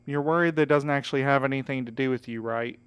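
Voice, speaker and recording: A man's voice: medium pitch, fairly even intonation, fast talker, smooth, close to an everyday voice. A man playing an easygoing, encouraging courier in an audio drama, earnest, casual and coaxing. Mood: probing. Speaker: voice actor in a fiction podcast. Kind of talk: scripted audio drama acting.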